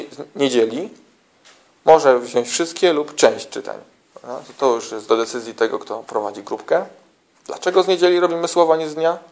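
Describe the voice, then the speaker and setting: A man giving an informal teaching talk to church small-group leaders, conversational and full of restarts, who keeps checking in with his listeners through tag questions. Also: fairly high pitch. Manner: conversational, with frequent restarts and slang.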